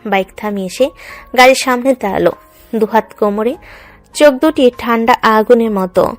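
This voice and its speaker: Female narrator, fairly high pitch, dramatic scripted storytelling, music underneath. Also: moderate pace.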